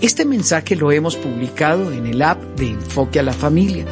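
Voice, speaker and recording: A man presenting a Christian family program, telling a testimony with earnest, animated storytelling and direct asides to the listener. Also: fairly high pitch, moderate pace, over music.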